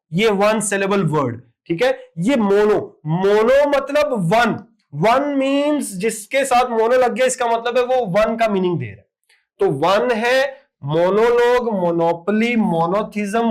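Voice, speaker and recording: A man teaching exam vocabulary, drilling word after word in an animated lecture. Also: high-pitched. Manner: lively, emphatic word-drilling with repeated "ठीक है".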